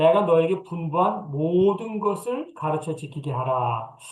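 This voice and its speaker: Amid audible room echo, a man with a high pitch speaks at a moderate pace with lively intonation. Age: 60s. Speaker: missionary. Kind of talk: lecture.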